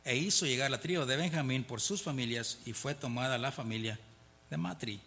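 Brisk and forceful, a bright medium-pitched male voice teaches a Bible study. He reads verses aloud and explains them conversationally, regularly checking in with his listeners with "¿verdad?" and chuckling between points. The hall is reverberant.

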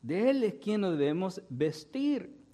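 High-voiced male pastor preaching. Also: very animated, measured pace, dark tone. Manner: storytelling with frequent "¿no?" tags. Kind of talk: sermon.

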